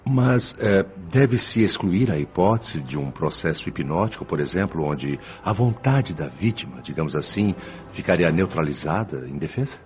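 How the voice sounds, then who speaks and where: A man playing an earnest, respectful older father spirit in an audio drama, asking questions in a formal, humble manner with a husky, rough voice. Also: low voice, lively intonation, moderate pace, few pauses. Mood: puzzled, respectful. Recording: dull lo-fi audio.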